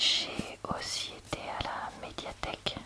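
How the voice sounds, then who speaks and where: Against noticeable background noise, a woman whispers. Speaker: ASMR youtuber. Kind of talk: casual vlog chat. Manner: hesitant, many fillers.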